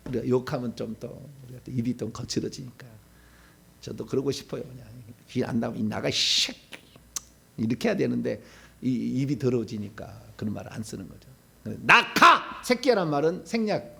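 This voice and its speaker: A middle-aged male pastor giving a sermon, preaching animatedly and acting out demons' pleas and shouted commands. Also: medium pitch, fast, gravelly, breathy edge.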